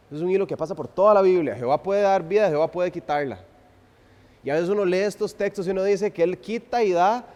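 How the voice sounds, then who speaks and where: A man preaching an expository sermon, swinging from loud emphasis to hushed, drawn-out phrases and asking the congregation rhetorical questions. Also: on the high side. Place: church sanctuary. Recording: long reverb of a church hall.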